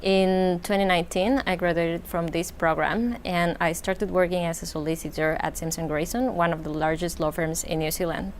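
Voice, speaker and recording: A woman's voice: on the low side, steady tone, normal speed, few pauses, slight background noise. A woman in her thirties from Mexico, speaking as a law alum on a panel in a composed, prepared way. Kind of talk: panel discussion.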